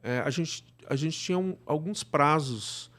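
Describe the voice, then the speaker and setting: A man with a Brazilian accent answering interview questions conversationally, explaining in a halting way and often checking with the listener. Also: on the high side, fairly bright tone. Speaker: podcast guest, radio drama producer.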